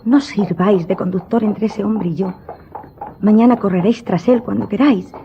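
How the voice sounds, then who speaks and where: A woman's voice: medium pitch, normal speed, slight background noise, close to an everyday voice. A woman playing a superstitious, imperious countess in a radio drama, speaking in a formal, dramatic, insistent way. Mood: insistent, uneasy. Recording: dull recording with background music.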